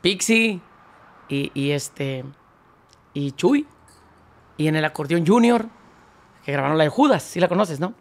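A man, a band founder and accordionist, telling slangy, animated anecdotes as a guest in a casual interview. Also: on the high side, unhurried, long pauses.

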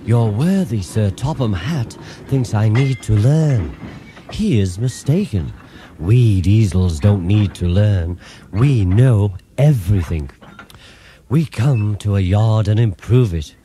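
A man's voice: fairly low pitch, animated, takes it slowly, dark tone, a little hiss or hum. A man doing an oily, purring diesel engine. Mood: oily, boastful. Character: oily, boastful male diesel engine, smooth and conceited.

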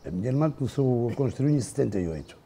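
Older man with a gravelly, dark voice. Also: mid-range voice, expressive, a little hiss or hum. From Portugal. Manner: unhurried, halting, with many restarts and fillers. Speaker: guest. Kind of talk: casual reminiscing.

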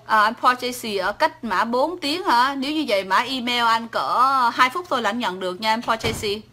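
A woman's voice: fairly high pitch, moderate pace, bright, forceful tone. A woman with a Southern Vietnamese accent, chatting casually on a livestream and answering viewers' comments, talkative and teasing, laughing often. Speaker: livestream host.

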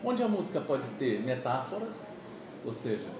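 A man in his fifties from Pernambuco, Brazil, telling stories in a chatty, animated way during an interview, often checking that his listener follows along. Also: mid-range voice, normal speed, very echoey, noisy background. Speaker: musician guest. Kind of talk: casual interview. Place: small office meeting room. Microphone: camera across the table.

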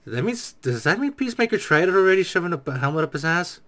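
A young man reacts casually and excitably to what he watches. His voice sits a little high and moves around a lot. He jokes and repeats lines back as he goes. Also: racing. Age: young adult. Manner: excitable, echoes lines he hears, joking. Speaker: reaction video creator. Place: small dark room indoors.

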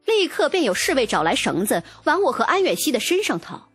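A woman giving an expressive, dramatic first-person audiobook narration. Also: sits high, fairly quick, dry recording, soft background music.

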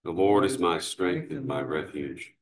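A man leading morning prayer as a priest, reciting psalms, canticles and the creed in a measured, steady way, recorded from a distance in a large cathedral. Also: rumbling low, a loud crowd. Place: large cathedral sanctuary, indoors. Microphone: far camera. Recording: echoey cathedral room sound.

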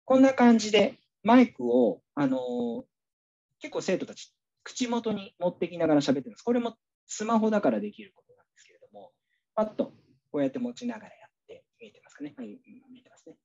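A man's voice: very high voice, brisk, vocal fry, warm tone, highs cut off. A man teacher giving a casual, chatty online workshop, walking the audience through a demo with many fillers.

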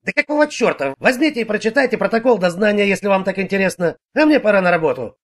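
A short-tempered, middle-aged working man who bristles at every question, as a male reader plays him. He is gruff and defensive and pitched fairly high. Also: lively intonation, fast talker. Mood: defiant.

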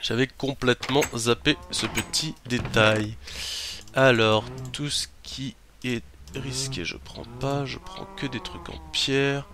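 This man provides talkative gameplay commentary, talking to himself between sudden shouts and curses when something startles him. He speaks slowly at a medium pitch in a steady tone, over background noise.

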